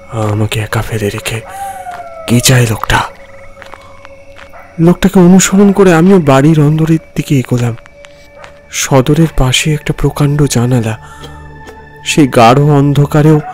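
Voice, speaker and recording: A man's voice: mid-range voice, close to an everyday voice. A man playing a nervous lawyer who narrates his own ghost encounter in a dramatic, suspenseful first-person style. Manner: tense, suspenseful, stammering when frightened. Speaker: narrator and main character.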